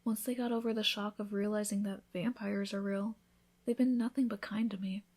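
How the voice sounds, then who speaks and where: A woman playing a devoted newlywed vampire wife in an intimate ASMR roleplay, speaking softly, often in a whisper, with an affectionate, reassuring manner. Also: medium pitch, steady tone, fairly quick, natural voice. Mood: hopeful, tender. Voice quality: soft, breathy, often whispered.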